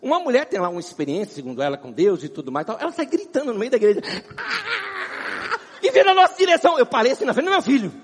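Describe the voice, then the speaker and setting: A man with a Brazilian accent preaching a humorous sermon as a guest preacher, telling animated stories with a husky voice and sweating as he talks. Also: very high-pitched, very fast, few pauses, some chatter behind, a little hiss or hum. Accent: Brazilian Portuguese. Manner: animated, laughing storyteller. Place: large round church. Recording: long church hall reverb.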